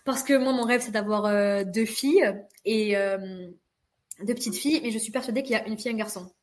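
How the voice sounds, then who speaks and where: A woman in her twenties, a podcast guest, telling a personal story in a vivid, expressive way with quick asides. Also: mid-range voice, slight background noise. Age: 20s. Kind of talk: casual conversational storytelling.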